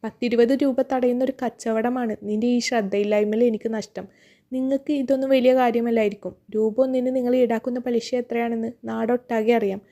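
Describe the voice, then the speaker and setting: A woman's voice: a little high, fairly even intonation, a little fast, warm tone, close to an everyday voice. A woman reading the lines of an angry, scornful young man in an audiobook, snapping bitter reproaches. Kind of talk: audiobook character voice.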